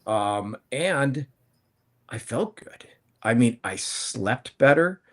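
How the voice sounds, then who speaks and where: A man's voice: medium pitch, expressive, slow. A man in his fifties, a guest on a panel, telling his story in a rambling, conversational way with many restarts. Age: 50s. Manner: rambling, conversational, frequent restarts and self-corrections. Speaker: panel guest, plant-based food entrepreneur. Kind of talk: casual panel chat.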